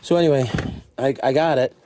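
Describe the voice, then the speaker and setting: A middle-aged man with a relaxed, mellow voice at an ordinary pitch. He rambles conversationally and pokes fun at himself like a shop owner chatting to viewers. Some background noise and clicking sit behind him. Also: a little fast. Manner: conversational, self-deprecating, acts out imagined remarks. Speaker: secondhand store owner showing stock. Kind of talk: casual, rambling chat to camera.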